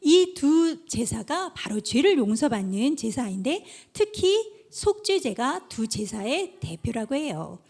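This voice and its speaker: A woman's voice: sits high, slow pace, hardly any pauses. A woman preacher giving a children's sermon, telling little stories and speaking straight to the kids. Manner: animated storytelling, addresses children directly.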